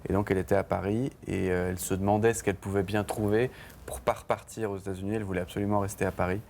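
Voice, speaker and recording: A low-voiced man with a gravelly edge tells his story slowly in a TV interview, hedging with many fillers and restarts. A faint hiss of background noise sits under the voice. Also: little pitch movement, darkish tone. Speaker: band songwriter, interview guest. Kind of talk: casual interview talk. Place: TV studio.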